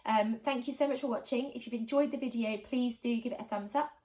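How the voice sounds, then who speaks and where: A woman's voice: a little high, fairly even intonation, fairly quick, mellow, lo-fi sound. A woman, chatting casually and enthusiastically as she unboxes sewing supplies for her channel, with a slight cold and lots of ums. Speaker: sewing vlogger.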